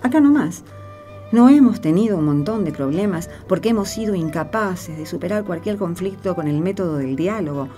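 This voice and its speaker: A woman's voice: fairly low pitch, animated, moderate pace, dark tone, soft background music, close to an everyday voice. A woman with an Argentine accent speaking in a conversational radio drama style. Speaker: cast member of a religious radio show.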